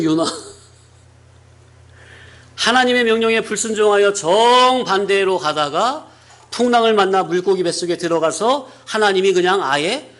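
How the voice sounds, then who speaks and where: Man, pastor, sermon, lively, rhetorical questions, high voice. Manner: animated, rhetorical questions, chuckling.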